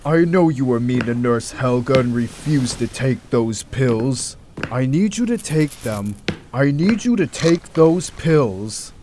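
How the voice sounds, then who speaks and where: An earnest hospital doctor, played by a man in an audio drama, with a middling pitch. He sounds principled and articulate, patient but a little worn by his workload. The recording has slight noise. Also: expressive, takes it slowly, a little mellow. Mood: firm.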